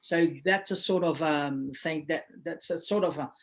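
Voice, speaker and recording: Earnest man from Samoa, higher voice. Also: normal speed, fairly bright tone. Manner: earnest, reflective, frequent you-know fillers. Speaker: guest. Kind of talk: webinar interview. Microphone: video call.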